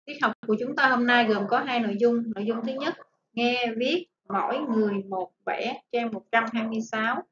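High-voiced woman teacher dictating, echoey room. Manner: dictating, deliberate, enunciating word by word. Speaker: primary school teacher. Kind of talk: slow dictation-style lesson for children. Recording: echoey room, dull sound, faint noise.

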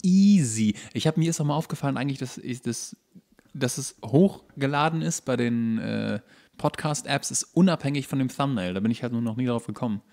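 Male podcast co-host, mid-pitched voice, casual and wry, rambles jokingly. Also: fairly quick, vocal fry, a little mellow. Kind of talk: casual comedic podcast chat.

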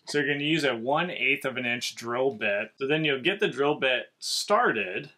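A man's voice: mid-range voice, animated, normal speed, heavy background noise. A man in his thirties giving a methodical, step-by-step home repair lesson in a basement. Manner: clear, methodical, practical explaining. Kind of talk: step-by-step how-to explanation. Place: basement with concrete walls.

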